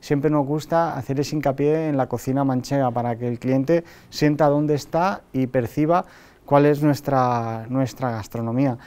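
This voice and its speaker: A man's voice: medium pitch, steady tone, moderate pace, mellow, smooth. A chef in his thirties speaking earnestly in an interview, often repeating words, on a lapel mic. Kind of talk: interview talk.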